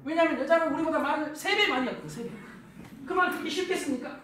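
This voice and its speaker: A middle-aged man giving a lively lecture to a live audience, acting out the spouses he quotes in a raised voice. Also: very high voice, quick pace. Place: lecture hall. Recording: echoey hall from far off, faint noise.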